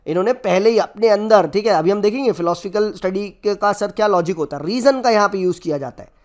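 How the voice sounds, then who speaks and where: A man's voice: high voice, fast talker. Man lecturing, keeps checking in. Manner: asks rhetorical questions and keeps checking in with "okay?". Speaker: teacher. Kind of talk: classroom lecture mixing Hindi and English.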